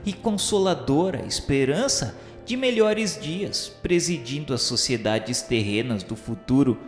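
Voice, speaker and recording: A man's voice: medium pitch, animated, measured pace. A man with a Brazilian accent gives a solemn, formal, literary scripted narration, as the narrator of a radio novel. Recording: echoey hall-like reverb. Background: music.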